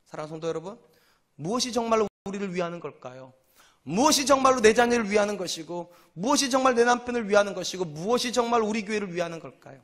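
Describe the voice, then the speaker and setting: Preaching to his congregation, this male senior pastor speaks quickly and expressively, his voice sitting high with a slightly bright tone. Rhetorical questions, repeated key lines, and short acted-out dialogues of quoted voices fill his sermon.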